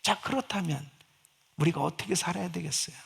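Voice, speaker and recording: A man's voice: a little high, a little fast, vocal fry, a bit bright, slightly rough. A male pastor preaching a fervent Sunday sermon, often asking the congregation rhetorical questions. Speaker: senior pastor.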